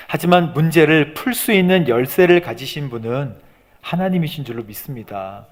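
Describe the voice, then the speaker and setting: A male pastor preaches a sermon in an animated, rhetorical style. His fairly high voice rises and falls constantly, and a long reverb from the church hall trails behind his words. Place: church sanctuary.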